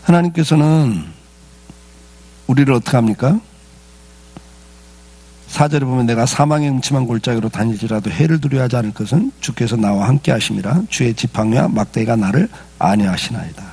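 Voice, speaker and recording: Gravelly, husky man preaching a sermon. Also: mid-range voice, fairly quick, darkish tone. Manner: conversational preaching with rhetorical questions and frequent "예". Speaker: pastor.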